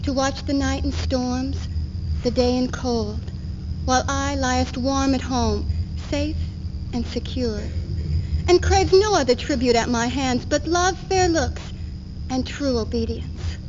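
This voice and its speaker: A woman's voice: sits high, slow pace. A woman performing a devoted, submissive housewife in an earnest, declamatory readers theater recitation. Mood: devout, tender. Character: devoted, submissive housewife, proud and pious about home. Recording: dull, noisy 1970s archival stage recording.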